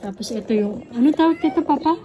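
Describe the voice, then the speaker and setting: A woman's voice: high voice, expressive, fast talker, noisy background. A woman with a Filipino accent chatting casually for a home vlog, mixing Tagalog with Japanese and English. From Philippines. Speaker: family vlogger and mother.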